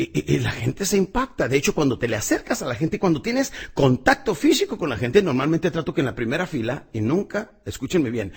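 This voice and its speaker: A middle-aged man with a slightly husky voice, teaching public speaking in an emphatic, motivational audio lesson. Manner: emphatic, swings pitch and volume widely.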